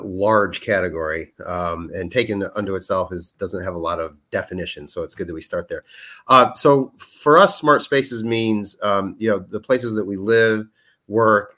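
A man with a fairly low voice explains things at length as a podcast guest. He pauses often on fillers and repeats words as he gathers his thoughts. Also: fairly bright tone. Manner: hesitant, many fillers and restarts, explanatory. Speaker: guest, product manager. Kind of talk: podcast interview.

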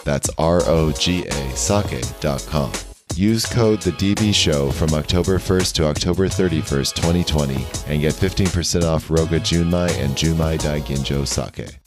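A man's voice: very deep voice, normal speed. A man hosting a food and drink podcast, reading the show intro and sponsor messages in an upbeat scripted way. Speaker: podcast host. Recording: voice over guitar music.

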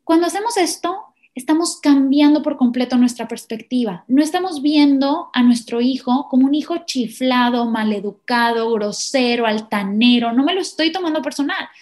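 A woman talks parents through handling a child's difficult behavior. Her voice sits high, and she explains each step in a calm, steady way, acting out short lines of what a parent might say. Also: moderate pace, hardly any pauses. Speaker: parenting educator. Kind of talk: explanatory podcast talk.

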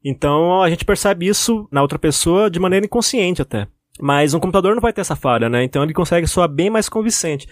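A Brazilian man chatting on a podcast, his voice sitting a little high. He tells stories loosely, pausing and leaning on fillers. The sound is dry and close, with no room around it. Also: animated, no room sound. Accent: Brazilian Portuguese. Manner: chatty storyteller, drawn-out pauses and frequent fillers. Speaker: podcast co-host. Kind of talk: casual chat.

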